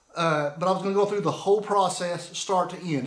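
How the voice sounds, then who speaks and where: Very fast speech from a man, high-pitched for a man, with audible room echo. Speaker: channel host. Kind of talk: casual vlog chat. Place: workshop. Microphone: phone near.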